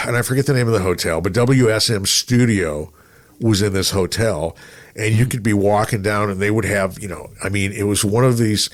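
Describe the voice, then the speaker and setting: A man's voice: lowish voice, moderate pace. A middle-aged man chatting casually as a radio personality, rambling through anecdotes and voicing remembered remarks. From Texas, United States.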